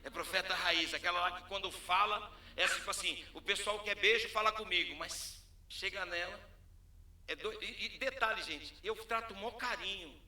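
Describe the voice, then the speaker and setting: Brazilian pastor, high bright voice, storytelling sermon, echoey hall with music behind. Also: male voice, moderate pace. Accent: Brazilian Portuguese. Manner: storytelling, animated, acts out dialogue.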